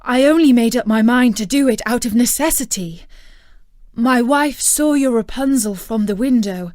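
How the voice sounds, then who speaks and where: A woman's voice: fairly high pitch, moderate pace, darkish tone, no room sound, studio quality, natural voice. A woman voicing a frightened husband who pleads earnestly for mercy in a fairy tale. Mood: frightened, pleading. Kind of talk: fairy tale storybook reading.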